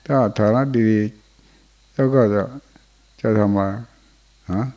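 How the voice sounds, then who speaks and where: A man's voice: fairly low pitch, slow pace, warm tone, highs cut off. An older man, a Buddhist monk, giving an informal dharma talk in a monastery hall, telling folksy stories and often chuckling.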